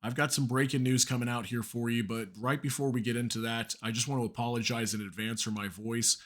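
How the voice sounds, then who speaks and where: A man's voice: medium pitch, steady tone, brisk. A man hosting an online news commentary, chatty and full of fillers, who is losing his voice from being under the weather. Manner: chatty, many fillers and asides. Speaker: news channel host. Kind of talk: casual news commentary, reading articles aloud.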